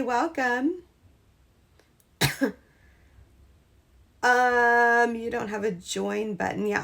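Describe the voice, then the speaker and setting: Slow-talking woman, gravelly and hoarse. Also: a little high, fairly bright tone. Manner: chatty, greets viewers, trails off and restarts. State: slightly hoarse from a cold. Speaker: crochet livestream host. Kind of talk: casual live chat while crocheting.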